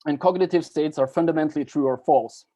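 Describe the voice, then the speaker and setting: A man giving an academic talk, explaining step by step with halting self-corrections. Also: on the high side, warm tone. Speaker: academic presenter. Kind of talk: academic lecture at a workshop.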